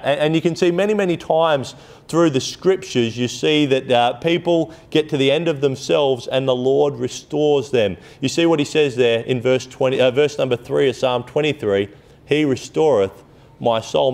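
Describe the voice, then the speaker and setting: A man's voice: mid-range voice, a little mellow. A man preaching an evening sermon to a congregation, retelling stories in a casual, rambling way with asides and restarts. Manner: conversational storytelling with frequent asides and restarts.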